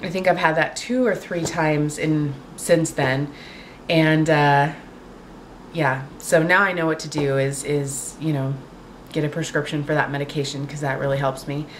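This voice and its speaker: Chatty woman with a slight cold rasp. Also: low-pitched, fairly even intonation, moderate pace, a little hiss or hum. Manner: chatty, lots of fillers and likes. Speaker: beauty vlogger. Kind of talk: casual chat to camera. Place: home, indoors.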